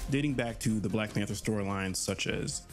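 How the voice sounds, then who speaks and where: A man's voice: fairly low pitch, fairly quick. A man giving a prepared promotional talk as a writer presenting his work. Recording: music behind the voice.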